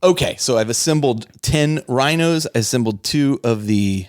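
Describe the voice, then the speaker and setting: A man's voice: mid-range voice, lively intonation, moderate pace, dry recording, clean studio sound. A man co-hosting a casual hobby podcast, talking enthusiastically with frequent laughs and rambling restarts. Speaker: podcast co-host.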